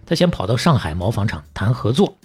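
A man with a Beijing accent hosting a podcast, telling stories in a lively, colloquial, folksy conversational way. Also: lowish voice, brisk, husky, faint music behind. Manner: colloquial and folksy, with proverbs and acted-out asides. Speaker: podcast host.

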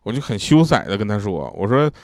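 A man's voice: on the low side, big pitch swings, brisk, no room sound, studio quality. A man telling jokes and funny anecdotes in a chatty way, laughing at his own punchlines. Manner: casual slangy asides to the listener.

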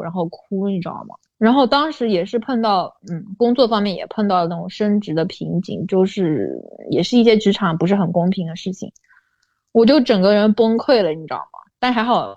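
A woman's voice: medium pitch, darkish tone, no echo. A young adult woman telling a personal story as a podcast guest, often asking "you know?" and slipping English words into her talk. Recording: dull, dry lo-fi recording.

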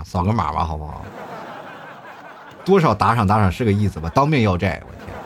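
A middle-aged man hosting a casual chat show, reading listener messages aloud and teasing them with jokes and laughter. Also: on the low side. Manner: joking, teasing, often laughing.

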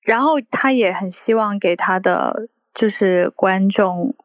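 A woman's voice: medium pitch, a little slow, no echo. A woman co-hosting a casual podcast, talking in a thoughtful, somewhat hesitant conversational way. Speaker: podcast co-host.

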